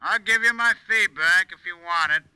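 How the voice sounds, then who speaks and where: Wisecracking private eye. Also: male voice, high-pitched, normal speed, pushed and bright, clean tone, poor audio. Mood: dry. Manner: clipped, dry, wisecracking. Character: wisecracking hard-boiled male private eye. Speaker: private detective. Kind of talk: 1950s radio drama acting.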